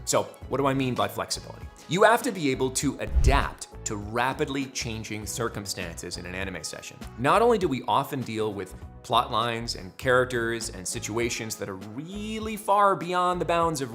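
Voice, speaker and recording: A man's voice: mid-range voice, fairly bright tone. A man, a voice actor, giving a scripted tutorial with wry, jokey asides and emphatic explanations. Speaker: voice actor teaching anime dubbing.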